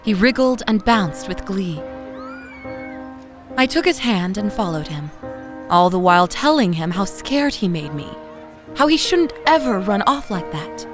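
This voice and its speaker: Young mom narrator: medium pitch, fond yet anxious, conversational, expressive audio drama storytelling. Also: female voice, measured pace. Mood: fond, relieved. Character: loving, anxious young mother narrating her memories. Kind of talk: first-person scripted audio drama narration. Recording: faint music behind narration.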